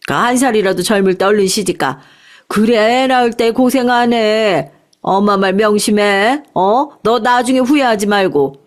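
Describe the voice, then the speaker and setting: A woman's voice: mid-range voice, moderate pace, lightly acted. A woman voicing a middle-aged mother who insistently nags her daughter to marry. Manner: insistent, scolding. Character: nagging middle-aged mother pushing marriage.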